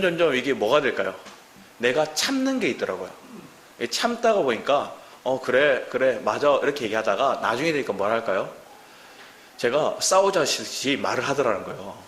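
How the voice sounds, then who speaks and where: A man's voice: fairly high pitch, a bit bright. A man in his thirties with a Gyeongsang Korean accent preaching a sermon as pastor, asking the congregation many questions. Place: church sanctuary. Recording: roomy church hall with faint hiss.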